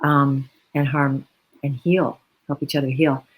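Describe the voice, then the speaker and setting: A woman's voice: extremely low pitch, level tone, a little slow, husky, low-quality recording. Earnest woman speaking on a video-call panel. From United States. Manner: earnest and reflective, long flowing explanations. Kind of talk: virtual panel discussion.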